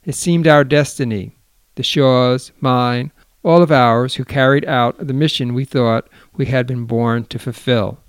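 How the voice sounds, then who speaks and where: A man reading the part of a broken, secretive elderly exile with a low, hoarse voice. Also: fairly even intonation, unhurried, no room sound, close to an everyday voice. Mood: somber.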